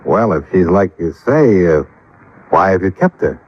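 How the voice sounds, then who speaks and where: An actor playing a cool, shrewd, laconic insurance investigator in 1950s radio detective style. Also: male voice, deep voice, animated, a little slow. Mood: cool, guarded. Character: cool, wry, shrewd male insurance investigator narrating his case. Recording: dull lo-fi old radio recording.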